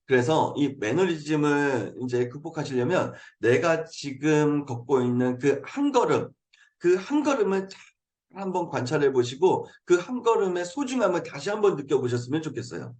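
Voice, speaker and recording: A man giving an earnest motivational talk to a video-call group, coaxing listeners and often saying a quick affirming "yes" between points. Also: on the high side, lively intonation, darkish tone. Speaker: motivational speaker hosting a habit program. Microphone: video call mic.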